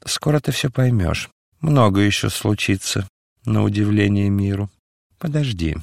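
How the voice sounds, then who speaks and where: Sardonic, unflappable eastern mystic, read by a man, a touch gravelly. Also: lowish voice, unhurried, no echo, studio quality. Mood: calm, knowing. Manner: calm, mocking, detached. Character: mysterious calm eastern man, sardonic, speaks in riddles.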